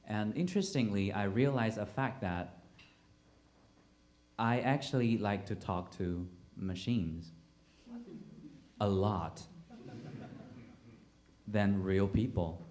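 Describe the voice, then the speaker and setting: A man's voice: fairly low pitch, slow, pauses often, darkish tone. A man with a Taiwanese accent speaking as a playwright and director on a panel, searching for words and repeating himself as he goes. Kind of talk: panel discussion, spontaneous personal account.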